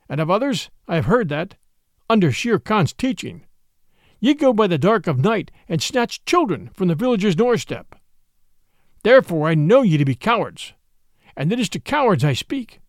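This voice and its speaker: A man with a high, very animated voice reads a storybook in clean, echo-free studio sound. He voices an old, weary wolf leader who is proud and dignified, speaking solemnly in a measured, old-fashioned way.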